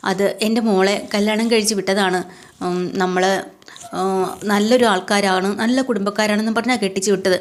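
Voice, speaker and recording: A woman's voice: mid-range voice, fairly even intonation, moderate pace, natural voice. A woman voicing a bold, manipulative middle-aged mother who talks in a pushy, dramatic way. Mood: pleading. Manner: pushy and dramatic, wailing in fake distress.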